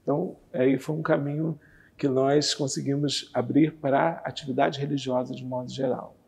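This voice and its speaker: Gravelly-voiced man explaining in a studio. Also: mid-range voice, moderate pace, in a large hall. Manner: animated, gestures with both hands while talking. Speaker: guest explaining Spiritism. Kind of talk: explanatory interview talk. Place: TV studio with red curtain backdrop. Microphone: lapel mic.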